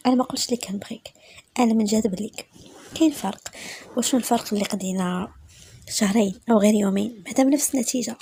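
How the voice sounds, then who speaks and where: A woman's voice: on the high side, rapid-fire, gravelly, dark tone, slightly rough. A confident, persuasive man, as a Moroccan woman reads him.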